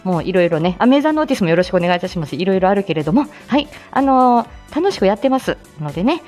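A woman's voice: medium pitch, very animated, rapid-fire, darkish tone, faint music behind. Chatty woman hosting a morning live stream. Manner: chatty, laughs often, many fillers.

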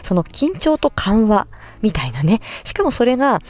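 A woman speech therapist chatting through an explanation in a casual podcast, lively and full of little hesitations. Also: mid-range voice, moderate pace, highs cut off.

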